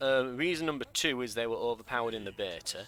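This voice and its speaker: A man's bright, sharp tone in an English accent at a very fast pace, on a very clean recording with a silent background. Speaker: gaming YouTuber. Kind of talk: let's play commentary. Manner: casual, hesitant with fillers.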